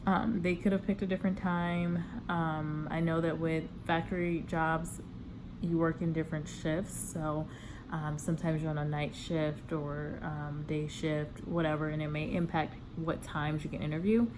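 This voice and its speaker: A woman's voice: low-pitched, flat delivery, moderate pace, noisy background. A woman recruiter talking casually to viewers in a conversational vlog style, offering practical career advice. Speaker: corporate recruiter giving job interview advice.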